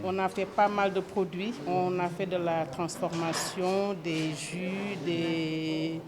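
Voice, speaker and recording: A woman who took part in a training, answering interview questions with hesitant pauses. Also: on the low side, fairly even intonation, noisy background. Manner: hesitant, with fillers. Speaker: training participant.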